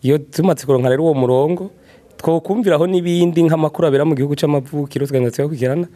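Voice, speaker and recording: A man's voice: fairly high pitch, rapid-fire, mellow. A man from Burundi, speaking earnestly and gratefully in a radio interview. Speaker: community representative.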